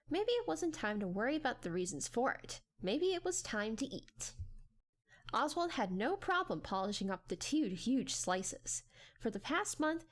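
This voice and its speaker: Female narrator, dramatic audiobook reading, highish voice, expressive swings, background music.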